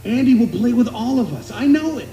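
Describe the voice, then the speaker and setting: A man playing an earnest, excitable cowboy sheriff toy in an animated film, with an American accent and a pleading, emphatic delivery. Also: extremely high pitch, fairly quick, roomy sound, soft background music. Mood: eager.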